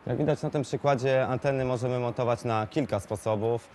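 A man's voice: mid-range voice, steady tone. A man giving an unscripted product explanation as a shop expert, hesitating often and repeating words, picked up on a lapel mic. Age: 20s. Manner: halting, hesitant delivery with frequent fillers and repeated words.

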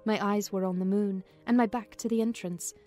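A woman giving a measured, storytelling narration of a dramatized classic novel, in character as a housekeeper. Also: medium pitch, steady tone, mellow. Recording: music under the voice.

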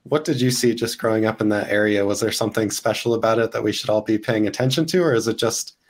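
A man's voice: fairly low pitch, fast. A man in his thirties hosting an interview over a video call from his home office, talking with energy. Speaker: host. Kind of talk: upbeat interview host, reads sponsor ad.

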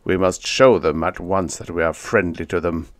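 A man voicing a solemn, authoritative tribal chief who makes slow declarations in a story. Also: sits low, dry recording, close to an everyday voice.

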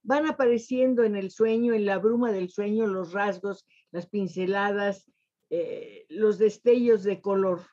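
Older woman, lyrical interviewer, mellow husky voice, lo-fi call sound. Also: medium pitch, fairly even intonation, a little slow. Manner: eloquent, lyrical phrasing. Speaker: interviewer and host. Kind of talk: warm formal television interview. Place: home library with staircase.

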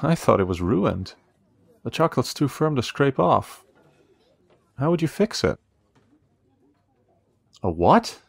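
A man's voice: mid-range voice, sing-song, slow pace, creaky, long pauses, slightly rough, dry recording, full character voice. A man acting as an earnest, protective young café trainee in an audio roleplay, casual and a little hesitant. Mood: impressed. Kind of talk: intimate first-person audio roleplay.

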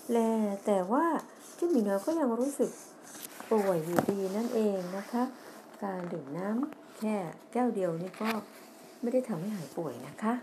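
A woman's voice: mid-range voice, slight background noise. A middle-aged woman with a Thai accent teaching English on television. She reads a children's story line by line, spells out the words letter by letter, and explains them in Thai. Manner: reads English lines slowly and loudly, then explains quickly in Thai. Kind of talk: TV English lesson, reading a children's story aloud.

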